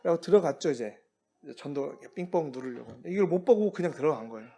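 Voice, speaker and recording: A man preaching as a missionary, telling personal stories in a relaxed, conversational way with occasional chuckles. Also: fairly high pitch, rapid-fire, creaky. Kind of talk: sermon storytelling.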